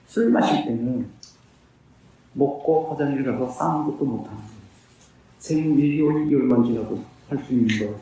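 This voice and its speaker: A man's voice: medium pitch, lively intonation, moderate pace, mellow. A man in his fifties sharing his recovery testimony in an earnest, plain-spoken way, asking himself questions and answering them. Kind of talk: personal testimony talk. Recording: very echoey room, distant mic.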